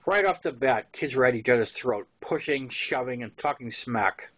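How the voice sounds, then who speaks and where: A man in his sixties from Massachusetts reads his own memoir aloud in a Boston accent, telling it conversationally with casual asides. His mid-range voice is expressive, a bit bright, and moderately paced, though the audio sounds dull.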